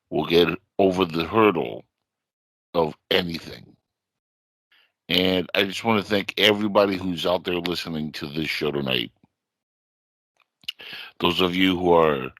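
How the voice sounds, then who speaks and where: A man's voice: deep voice, fairly bright tone, no echo. A middle-aged man hosting an online radio show, delivering a late-night monologue with a touch of theatrical horror-host showmanship.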